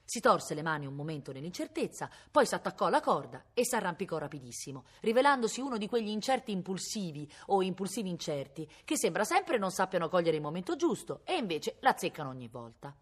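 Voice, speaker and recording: A woman reading a novel aloud at a public library in an expressive, dramatic storytelling manner. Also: on the low side, fast talker, hardly any pauses, breathy edge. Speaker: reader.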